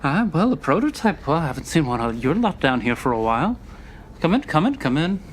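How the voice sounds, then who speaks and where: A woman's voice: sits low, sing-song, fairly quick, slight background noise. A woman voicing a brusque but hospitable punk woman in a tabletop game, with a teasing, bossy, folksy manner. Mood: brusque welcome. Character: brusque, hospitable young punk woman running a back-alley hideout. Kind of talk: tabletop roleplay.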